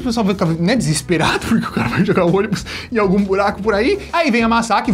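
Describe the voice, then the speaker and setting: A man with a Brazilian accent recapping an anime in an exasperated, sarcastic way, acting out the characters' lines. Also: sits high. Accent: Brazilian Portuguese. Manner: exasperated, sarcastic storytelling with acted-out quotes. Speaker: anime review host.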